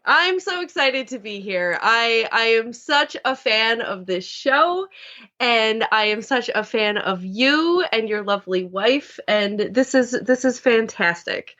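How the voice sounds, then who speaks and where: A woman's voice: fairly high pitch, animated, takes it slowly, sharp tone. Bubbly Minnesotan woman on a dull line. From Minnesota, USA. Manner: bubbly and enthusiastic, with many ums. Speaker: podcast guest. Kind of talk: casual podcast chat.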